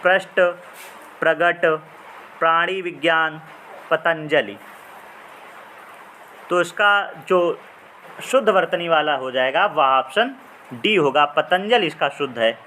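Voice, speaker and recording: A man explaining Hindi exam practice questions as a teacher, reading each question and then slowly drawing out the correct words. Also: on the high side, bright, forceful tone, slight background noise.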